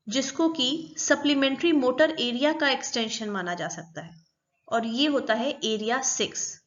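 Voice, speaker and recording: A woman's voice: on the high side, dull audio. A woman teaching a recorded psychology lecture, explaining step by step and repeating key terms.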